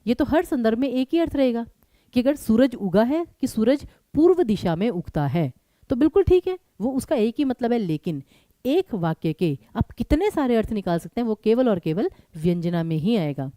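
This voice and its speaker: Brisk and sing-song, a young woman with a mellow, fairly high voice teaches a live online exam-prep class, switching between Hindi and English words. She keeps telling students to answer fast. The audio is close and dry.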